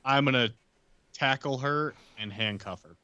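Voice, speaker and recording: Male game player, bright forceful tone, casual improvising, very dry close recording. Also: medium pitch, measured pace, clean tone, dry recording.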